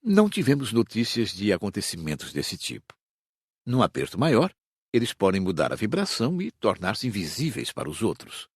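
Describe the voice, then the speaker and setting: A Brazilian man playing a patient spirit teacher in an audiobook, explaining in a measured, didactic way. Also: lowish voice, wildly swooping pitch, husky, no echo, clean studio sound, full character voice. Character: patient male spirit teacher instructing his students. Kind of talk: audiobook dramatized reading.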